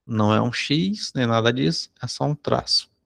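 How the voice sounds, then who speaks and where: A Brazilian man, a psychology teacher, telling a personal anecdote in a conversational lesson, often tagging sentences with a quick question. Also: mid-range voice, creaky, a bit bright. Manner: conversational, frequent tag questions. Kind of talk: anecdote told in a recorded lesson.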